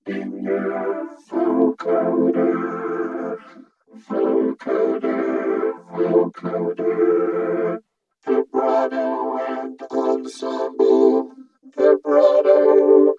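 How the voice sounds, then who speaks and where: A man speaking through a vocoder, his voice turned into a slow, drawn-out synthesized robot voice. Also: dark tone, breathy edge, no room sound, highs cut off. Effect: vocoder robot voice, synthesized pitch. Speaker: synthesizer demo host. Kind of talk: talking through a vocoder, counting and repeating phrases.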